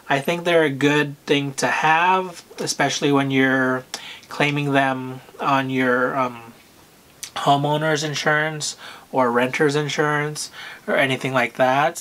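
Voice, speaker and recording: A man talking casually to camera about luxury purchases, with a soft, soothing voice and a hesitant manner full of pauses and fillers. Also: on the high side. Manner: unhurried, hesitant, full of "um" and "you know", frequent throat clearing. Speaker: luxury fashion vlogger.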